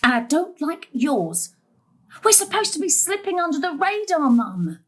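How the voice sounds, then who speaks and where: Long-suffering middle-aged daughter, acted by a woman: sarcastic, exasperated, high and animated, for audio drama. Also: unhurried. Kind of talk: stage-style audio drama acting.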